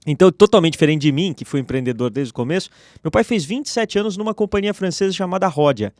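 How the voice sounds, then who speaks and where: A man, a radio guest telling his life story in a relaxed, personal way. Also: on the high side, fast, no room sound, studio quality. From Brazil. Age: 40s. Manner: relaxed, personal, with restarts and fillers. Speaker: guest, entrepreneur. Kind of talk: interview storytelling. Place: radio studio.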